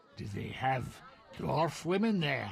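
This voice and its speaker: Here a man uses a put-on character voice that is raspy. His pitch sits fairly high. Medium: video game. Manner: blunt, coarse.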